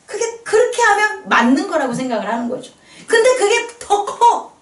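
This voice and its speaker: A woman pastor preaching a sermon in a lively, playful way, acting out quoted voices and laughing often. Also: very high-pitched, moderate pace, echoey room, far from the mic. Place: church hall.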